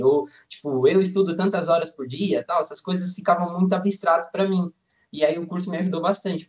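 A young man around nineteen, from Brazil, talks in a loose, rambling way, filling his sentences with little hedges and restarts. His voice sits a bit higher than most men's, and the delivery stays easygoing and conversational. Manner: relaxed, rambling, many fillers like "tipo" and "assim". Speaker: student guest. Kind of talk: casual interview chat.

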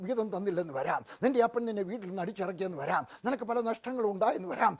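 A man preaching a sermon as a pastor, fervent and repetitive, with frequent hallelujahs and rhetorical questions. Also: high voice.

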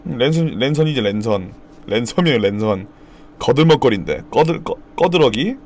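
A young man streaming live, chatting casually about dialect words and loudly mimicking regional expressions. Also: mid-range voice, lively intonation, brisk. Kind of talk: casual stream chat, reading viewer comments.

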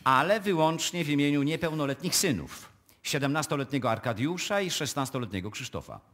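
An actor playing a formal, discreet male notary in a radio play, speaking in a measured, officious manner. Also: fairly high pitch, animated, a bit bright. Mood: formal, official. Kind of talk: live radio play acting.

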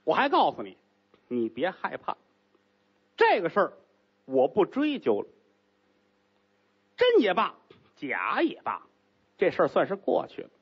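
A man voicing a haughty, commanding rich young concubine, speaking low and cool in a storytelling act. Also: huge pitch swings, a little slow, pauses often, breathy edge, muffled recording, exaggerated voice. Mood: stern, commanding.

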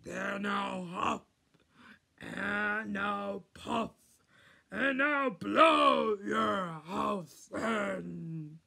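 A big bad storybook wolf, voiced by a woman, growls with heavy gravel in the throat. He is angry and menacing, stretching every demand very slowly in a bright, forceful bellow. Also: medium pitch, heavily acted. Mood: threatening, furious. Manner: slow, drawn-out menacing shouts.

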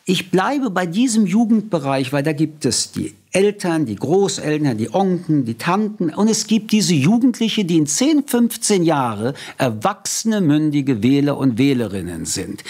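An older man whose first language is French speaks in a husky, rather high voice that swings widely in pitch. He talks emphatically, making his points in a calm studio conversation on a boom mic. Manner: emphatic, expressive, gestures a lot. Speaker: interviewer. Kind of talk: reflective conversation. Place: small studio at a table. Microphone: studio mic on an arm.

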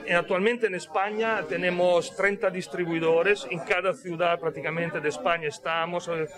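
Guy talking thru a face mask, high voice, lots of "ok?", crowd noise around. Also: fairly even intonation, normal speed. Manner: didactic, frequent tag questions. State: speaking through a face mask. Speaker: caviar company representative. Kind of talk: explaining in an interview. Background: crowd chatter.

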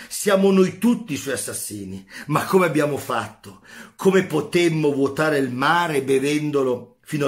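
A man voicing a frantic male madman who proclaims a dark prophecy, read aloud with rising cries. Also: fairly high pitch.

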